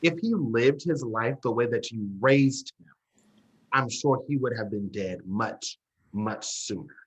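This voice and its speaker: An actor playing a bitter, grieving, sharp-tongued young gay man in a drama, sarcastic and confrontational. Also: mid-range voice, a little slow, natural voice, low-quality recording. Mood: accusing. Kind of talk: dramatic dialogue acting.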